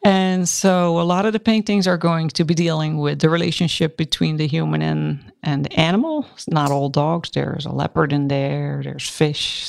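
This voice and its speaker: A woman with a very deep, low voice speaks at a moderate pace with ordinary pitch variation, recorded very cleanly against a silent background. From Netherlands. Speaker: visual artist. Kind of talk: interview.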